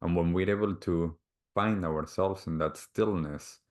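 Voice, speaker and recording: A man from Argentina with an Argentine Spanish accent, speaking slowly and gently as a guest healer on a video call, often repeating words as he searches for the next one. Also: low-pitched, steady tone. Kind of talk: calm reflective interview answers.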